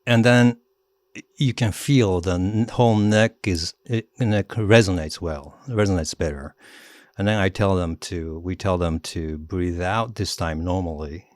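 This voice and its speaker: A middle-aged Japanese man with a Japanese accent, a guest author chatting in an interview, animated and laughing often as he demonstrates voices. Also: sits low, a little slow, dry recording. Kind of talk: casual interview talk.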